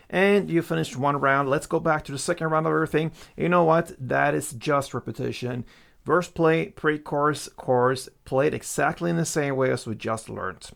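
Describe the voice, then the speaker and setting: In a fairly high, creaky voice, a man teaches guitar casually and step by step, counting the strums aloud. An acoustic guitar is heard in the background.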